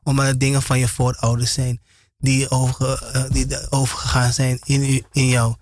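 A man's voice: medium pitch, monotone, moderate pace, darkish tone, no room sound, clean studio sound. A man, talking about faith on Christian radio and often stumbling and repeating words.

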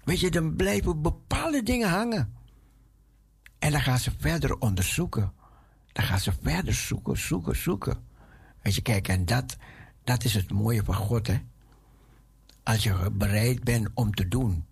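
A man preaching a sermon in a halting way, often repeating his phrases. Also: mid-range voice, expressive, gravelly, slightly rough.

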